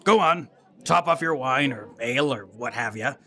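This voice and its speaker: Casting: boastful young river brawler, bright forceful creaky voice, fantasy audio drama, theatrical. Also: male voice, medium pitch, expressive, moderate pace. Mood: hearty. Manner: blustering, theatrical, folksy. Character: boastful, melodramatic young boatman and brawling tale-teller.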